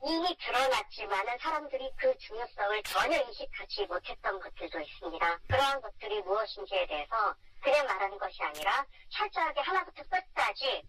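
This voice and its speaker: An electronically disguised, feminine-sounding voice of a radio interview guest speaking earnestly and formally in a measured way. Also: lively intonation, sharp tone. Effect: electronic voice disguise, shifted high. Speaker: documentary maker, interview guest. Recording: muffled, distant phone-interview sound.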